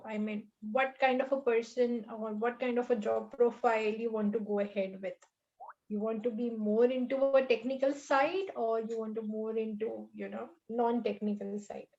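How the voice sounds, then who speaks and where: A woman's voice: on the high side, fairly even intonation, moderate pace, darkish tone, muffled recording. A woman with an Indian English accent, a native Marathi speaker, running a job interview over a video call in a firm, coaching manner. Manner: firm, coaching, lecturing tone with repeated checks.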